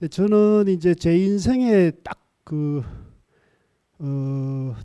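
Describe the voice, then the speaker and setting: Speaking very slowly, a man with a high pitch and a dark, mellow tone uses lively intonation in a dry, close sound with no echo. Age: 60s. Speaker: professor and meditation lecturer. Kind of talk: dharma talk lecture.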